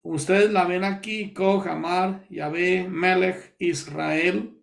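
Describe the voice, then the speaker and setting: High-voiced man teaching scripture. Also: fairly even intonation, vocal fry. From Colombia. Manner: explanatory, repeats key words slowly, addresses listeners directly. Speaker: pastor. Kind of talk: Bible study teaching.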